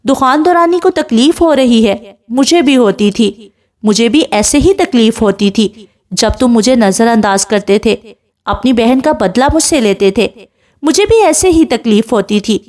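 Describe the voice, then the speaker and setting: A woman's voice: a little high, lively intonation, a little mellow, lightly acted. A woman voicing a sick young woman in a hospital bed, tearful and accusing in a raised voice.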